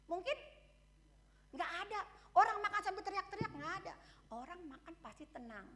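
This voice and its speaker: A woman's voice: very high voice, very animated, brisk, a bit bright. A woman pastor preaching a sermon in a candid, conversational way, often asking the congregation questions. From Indonesia. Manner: asks the congregation questions, frequent "ya" and "betul?"; candid and conversational, shares personal stories.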